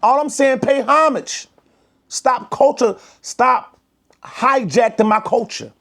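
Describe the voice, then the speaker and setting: A fairly high-pitched man with an African American Vernacular accent talks straight to the camera in an emphatic, preaching way. He is from the United States and leans heavily on slang. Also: takes it slowly, a bit bright. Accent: African American Vernacular English. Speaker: vlogger. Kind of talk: direct-to-camera commentary.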